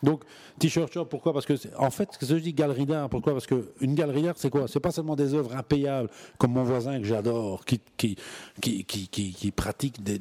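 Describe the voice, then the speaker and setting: Passionate gallery owner, mellow voice. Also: male voice, mid-range voice. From Belgium. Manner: passionate, emphatic, repeats words while searching. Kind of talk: casual interview. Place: art gallery.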